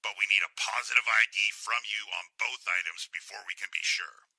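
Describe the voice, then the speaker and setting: A man playing a grave, formal sheriff in an audio drama, speaking in a measured, official way. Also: lowish voice, bright, forceful tone, poor audio.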